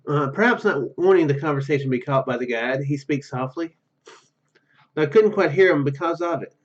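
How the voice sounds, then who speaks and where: Male let's-play host, medium-high voice, casual narration with stumbles, slightly lo-fi recording. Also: a little fast. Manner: stumbles and self-corrects while reading. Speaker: gaming video host. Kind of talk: reading game narration aloud with casual commentary.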